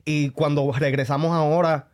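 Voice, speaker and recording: Puerto Rican man, podcast co-host, easygoing slang, slightly high voice. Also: normal speed. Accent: Puerto Rican Spanish. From Puerto Rico. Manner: relaxed, slangy, agreeing often. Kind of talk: casual chat.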